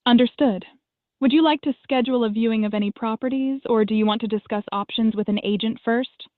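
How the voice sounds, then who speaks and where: A synthetic woman's voice answering calls as a receptionist, polite, even and formulaic. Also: fairly high pitch, brisk, dry recording. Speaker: AI phone receptionist. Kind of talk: scripted phone answering. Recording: dry tinny phone line.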